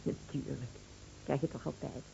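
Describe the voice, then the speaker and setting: Flustered wife, radio drama; animated, fussing, hurried; muffled old recording with faint noise. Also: female voice, very deep voice, gravelly, full character voice. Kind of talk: radio play acting.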